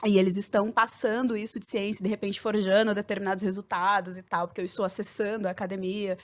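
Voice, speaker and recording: A woman in her thirties, a sociology researcher, talking on a podcast panel in an animated, emphatic, jokey way. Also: mid-range voice, quick pace.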